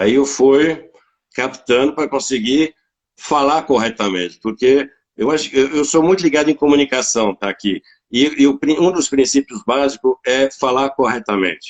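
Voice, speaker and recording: Recorded dry and close with no echo, a man talks at a moderate pace in a fairly high voice with ordinary pitch variation. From France. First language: French (speaking Portuguese). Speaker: tourism professional. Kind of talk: interview. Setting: live stream.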